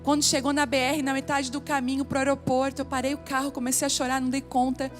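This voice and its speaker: A woman's voice: high-pitched, level tone, fast, soft background music. A middle-aged Brazilian woman pastor preaching at a women's conference, telling personal stories and building to emphatic exhortation. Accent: Brazilian Portuguese. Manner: emotional, personal storytelling, rising to emphatic preaching. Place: church conference stage.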